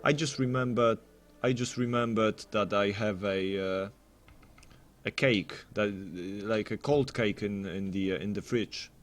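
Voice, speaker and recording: A man's voice: fairly low pitch, a little slow. A man commentating live on a game tournament in a casual, rambling way, full of matey banter and mock-announcer flourishes.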